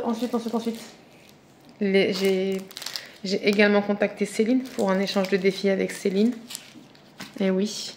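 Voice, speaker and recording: A woman speaking French at a middle pitch for her sex, chatty and eager, often repeating herself and filling pauses with hesitations. She sounds a bit tired but stays lively as she talks to her viewers. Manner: chatty and enthusiastic, with many fillers. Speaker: budgeting vlogger. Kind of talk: casual unboxing chat.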